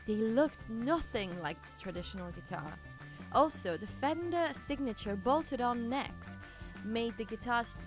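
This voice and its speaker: A woman presenting a scripted educational piece in a conversational, expressive way, with playful asides. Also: mid-range voice. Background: music.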